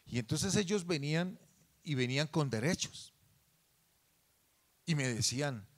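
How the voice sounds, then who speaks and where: A man preaching a sermon in a church, moving from quiet conversational talk to loud, fervent passages. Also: on the high side, expressive, a little slow.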